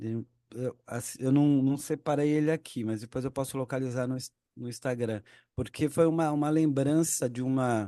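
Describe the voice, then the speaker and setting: In a dry, close recording with no echo and a quiet background, a man speaks at a moderate pace with a dark, mellow tone and fairly even intonation. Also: medium pitch for a man. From Brazil, São Paulo (born in Bahia, left as a baby). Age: 60s. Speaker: poet. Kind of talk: interview. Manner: halting, many repetitions.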